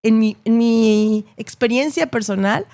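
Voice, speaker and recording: A woman's voice: fairly high pitch, measured pace, dark tone. A woman with a Latin American Spanish accent, explaining her opinions in an interview in an articulate, emphatic way, repeating words to drive points home. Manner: articulate, emphatic, builds points with repetition and rhetorical tags. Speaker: interview guest, journalist.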